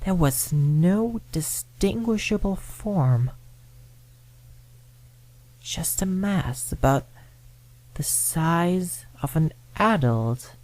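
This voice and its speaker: A man's voice: fairly high pitch, animated, drawn-out words, long pauses, darkish tone, rough recording. A man narrating a first-person ghost story, dramatic and at times dropping to a whisper.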